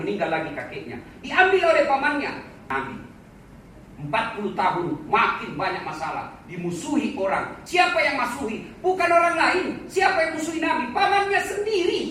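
Man, humorous sermon, lively pitch, distant mic, faint background noise. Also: very echoey. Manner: joking, animated, addresses listeners directly. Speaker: Islamic preacher.

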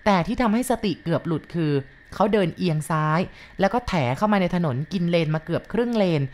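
A woman with a fairly low voice tells a ghost story at an unhurried, measured pace. Her delivery is polite and steady, like someone recounting a listener's experience. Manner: measured retelling with polite particles.

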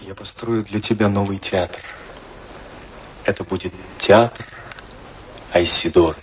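Low-voiced, courtly gentleman suitor. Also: steady tone, slight background noise. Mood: devoted. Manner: courtly, ardent, deliberate. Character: wealthy gallant millionaire suitor, devoted and earnest. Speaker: actor in a radio play. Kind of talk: theatrical radio drama dialogue.

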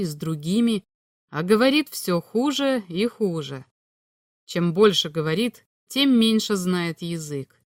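A woman's voice: mid-range voice, no room sound. Woman narrating a story, dry sound. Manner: steady, clear storytelling. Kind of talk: audiobook reading.

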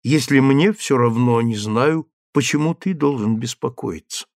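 A man voicing a calm, indifferent woman who speaks in a low, muted, flat tone. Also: a little slow, no room sound, clean studio sound, lightly acted. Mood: weary. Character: cold, calm woman leaving her husband. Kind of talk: audiobook character reading.

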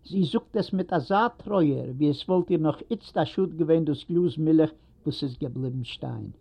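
A man's voice: on the high side, moderate pace, vocal fry, warm tone. Man reading a story aloud. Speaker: narrator. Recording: dull lo-fi recording.

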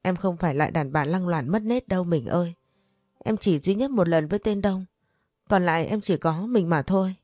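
Sobbing, begging middle-aged wife, as a narrator puts her on, dark mellow voice, audio story. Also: lowish voice, normal speed, dry recording, clean studio sound, soft background music, close to an everyday voice. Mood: pleading. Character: pleading middle-aged wife, tearful and desperate.

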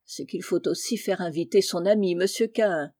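An eager poor country boy from a classic storybook, read by a woman. He speaks earnestly, in a warm, mellow voice. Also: lowish voice, moderate pace, no room sound, studio quality, natural voice.

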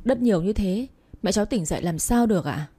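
A woman voicing a grieving young girl who shouts and sobs at the adults around her. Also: medium pitch, expressive, a little fast, slightly rough. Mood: sobbing. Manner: pleading, crying outbursts.

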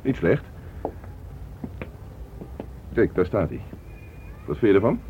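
A man's voice: deep voice, sing-song, slow pace, heavily acted. An actor playing a talkative middle-aged father in a radio play, insistently questioning and fussing over his son. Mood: defensive, chatty. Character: talkative, probing father eager to know his estranged son. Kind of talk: Dutch radio play acting. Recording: muffled, noisy old radio play recording.

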